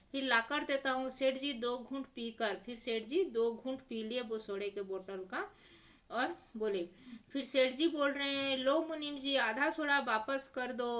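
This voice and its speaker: ऊँची आवाज़ वाली टीचर, कहानी सुनाती. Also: female voice, on the high side, a bit bright. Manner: repetitive, mixes English words into explanations. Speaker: teacher. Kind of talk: retelling a textbook story for children.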